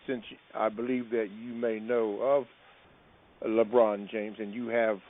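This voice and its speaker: A man's voice: fairly low pitch, level tone, a little slow. A man hosting a call-in radio show, talking hesitantly with many ums and uhs. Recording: dry phone-like audio.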